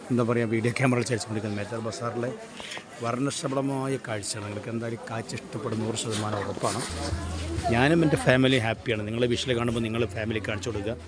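Male vlogger, Kerala accent, mid pitch. Enthusiastic, repetitive, casual commentary in Malayalam-English mix, over loud market crowd. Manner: mixes English words into Malayalam. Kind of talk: casual walking vlog commentary. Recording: busy outdoor market crowd noise.

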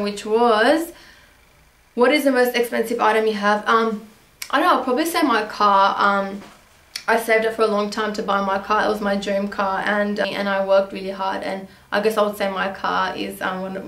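A woman's voice: mid-range voice, fairly even intonation, moderate pace, fairly bright tone, roomy sound. A young woman from Australia whose first language is Armenian, chatting casually in a beauty vlog Q&A, rambling with lots of ums and restarts. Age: young adult. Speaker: beauty vlogger. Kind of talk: casual Q&A chat. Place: small bedroom indoors.

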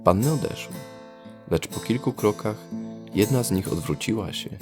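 A man narrating a scripted fairy tale as a storyteller, in a lyrical, expressive manner. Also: lowish voice, normal speed, over music.

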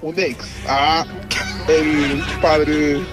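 A man's voice: a little high, level tone, very slow. A man's voice with a Chilean accent, electronically disguised, telling gossip casually as a radio caller. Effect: disguised, distorted voice. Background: music bed.

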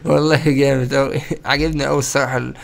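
A young gaming YouTuber with an Egyptian Arabic accent offers playful, chatty commentary on his gameplay, talking straight to his viewers. His voice is mid-range with some vocal fry.

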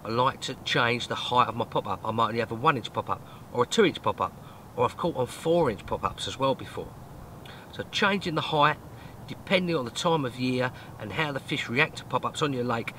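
A man in his forties hosts an instructional video with a bright, forceful voice. He explains things informally and with emphasis, talking straight to camera. There is faint outdoor noise behind him. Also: medium pitch. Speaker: host of a fishing tips video channel. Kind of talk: instructional vlog talk to camera. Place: inside a small fishing tent outdoors.

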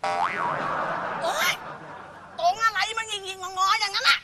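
This is a bossy schoolteacher in a TV sitcom, with a very high, brash voice that scolds and barks orders. The line sounds like an outdoor take with heavy noise all around. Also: female voice, measured pace. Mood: scolding. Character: bossy loud female schoolteacher. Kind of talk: sitcom acting.

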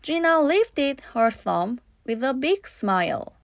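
A woman's voice: sits high, big pitch swings, slow, vocal fry, dry recording, studio quality. A woman reading scripted narration for a children's audiobook. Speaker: storybook narrator.

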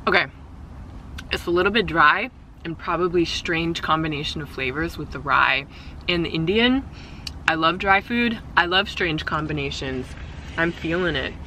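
A very bright, sharp-toned woman in her thirties talks in an effusive, chatty way, gushing about what she's eating. She coos at her cat between bites. She's recorded from a camera on the dashboard inside a parked car. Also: deep voice, moderate pace, a little hiss or hum, low-quality recording. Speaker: vlogger. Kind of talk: casual food-tasting vlog chat. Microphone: camera mounted on the dashboard.

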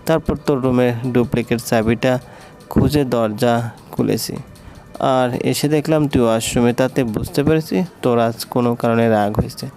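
A man voicing a doting middle-aged aunt who coaxes and gently chides in a storybook reading. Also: medium pitch, steady tone, moderate pace, soft background music, natural voice. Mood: coaxing. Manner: coaxing, gently chiding.

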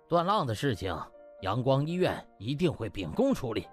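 A man's voice: medium pitch, big pitch swings, moderate pace, faint music behind, natural voice. Man playing a pompous, smug hospital director. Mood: pompous, placating. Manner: pompous, officious speechifying. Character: smug, scheming male hospital director feigning righteousness. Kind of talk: dramatised comic audiobook.

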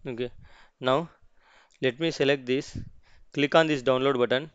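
Man walking through a software tutorial. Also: mid-range voice, fairly even intonation, normal speed, clean tone, no room sound, lo-fi sound. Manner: explains step by step, with many restarts and "okay, see" asides. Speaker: tutorial host. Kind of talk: screen-recorded software tutorial.

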